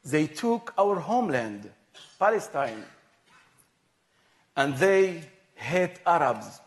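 A man from Israel, giving a personal testimony in slow, measured, plain phrasing. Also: fairly high pitch, big pitch swings. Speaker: guest speaker.

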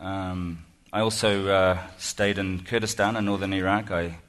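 A man's voice: sits low, steady tone, a little slow, fairly bright tone. A man with a New Zealand accent giving a self-deprecating, chatty speech to an audience, full of ums and restarts. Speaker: guest speaker. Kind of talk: humorous keynote speech. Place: lecture hall before an audience.

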